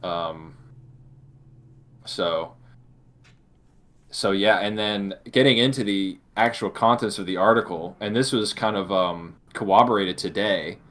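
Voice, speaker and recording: A man co-hosting a casual podcast about entertainment news, halting as he thinks aloud. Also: on the low side, fairly bright tone. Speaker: podcast co-host. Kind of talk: casual discussion of film news.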